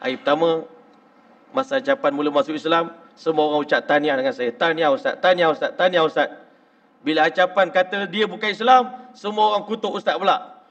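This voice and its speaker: A man's voice: a little high, fairly quick, a bit bright. Malaysian preacher man, lo-fi lecture recording. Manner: addresses audience repeatedly, acts out dialogue, rising emphatic peaks. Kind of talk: Islamic sermon with storytelling. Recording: dull lo-fi recording.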